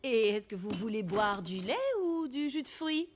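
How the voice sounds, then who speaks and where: A woman's voice: mid-range voice, expressive, moderate pace, natural voice. A woman voicing a cheerful, teasing mother who talks playfully to small children in a cartoon dub.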